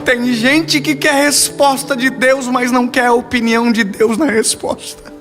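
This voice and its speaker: A young man preaching in Brazilian Portuguese, telling a story and swinging from rising emphasis to low, hushed lines. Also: little pitch movement, measured pace, soft background music. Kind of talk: sermon with a story.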